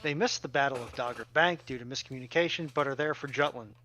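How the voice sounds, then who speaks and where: A man with an average-pitched voice speaks in a dry, echo-free recording. He is a co-host who reads out audience questions and chips in with casual commentary. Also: fast talker, pushed and bright.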